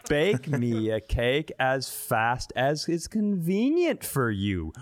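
A man's voice: medium pitch, big pitch swings, takes it slowly, no echo. A man co-hosting a comedy podcast, bantering casually with a playful, mock-earnest manner.

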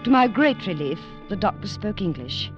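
A woman's voice: mid-range voice, sing-song, moderate pace, lightly acted. An actress playing an earnest young English woman who narrates her story and speaks breathlessly, in 1940s radio acting. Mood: recounting. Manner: breathless, wide-eyed. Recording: muffled old radio broadcast with music.

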